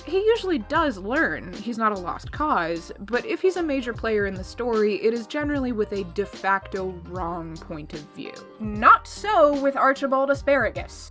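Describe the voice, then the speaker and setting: A woman's voice: medium pitch, fairly bright tone. A woman delivering a scripted video essay with wry, conversational commentary and sarcastic asides.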